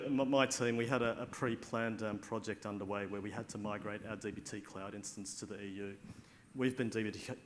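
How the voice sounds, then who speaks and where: Australian man, lowish voice, casual conference talk, lots of ums, faint room hum. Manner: chatty, lots of fillers and restarts. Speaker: conference speaker, data platform lead. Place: conference stage.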